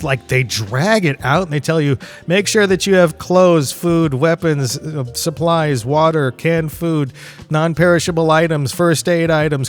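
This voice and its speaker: Podcast host: middle-aged male, slightly high register, loose and chatty solo rambling, animated, music underneath. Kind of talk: casual rambling podcast monologue.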